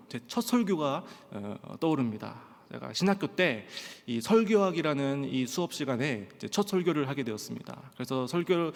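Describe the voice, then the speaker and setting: Pastor preaching in a reverberant church. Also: male voice, a little high. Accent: standard Korean, trained out of Gyeongsang dialect. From Pohang, South Korea. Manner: storytelling with frequent "예" fillers and acted-out quotes. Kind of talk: sermon at a Friday prayer meeting. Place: church sanctuary. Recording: long church-hall reverb.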